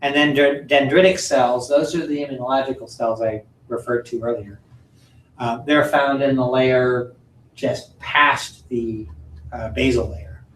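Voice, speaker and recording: A man giving a recorded lecture from slides, halting often with ums and uhs and clearing his throat. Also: mid-range voice, fairly even intonation, a bit bright, a little hiss or hum, rough recording. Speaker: college lecturer.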